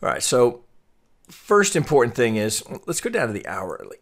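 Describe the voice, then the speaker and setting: A man giving an off-the-cuff trading chart tutorial, thinking aloud in a halting way and often repeating his words. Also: medium pitch, wildly swooping pitch, creaky. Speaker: trading analyst and host.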